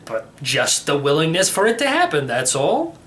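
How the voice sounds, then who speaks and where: A man's voice: a little high, wildly swooping pitch, normal speed, fairly bright tone, pitched below the performer's own voice. A man voicing an elderly, slightly crazy uncle in a storybook, rambling and teasing with theatrical emphasis. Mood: excited, urging. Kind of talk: acted storybook reading.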